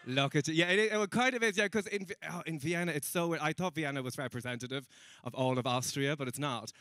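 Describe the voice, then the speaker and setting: A man's voice: a little high, fast, fairly bright tone, dry recording, clean studio sound. A young man doing a stand-up comedy set, chatty and teasing with the crowd and laughing at his own jokes. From Ireland. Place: comedy stage in a room with an audience.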